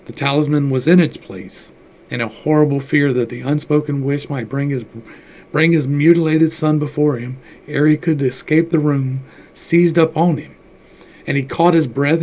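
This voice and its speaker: A man reading a horror story aloud in a measured, somber narration. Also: on the high side, darkish tone. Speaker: story reader.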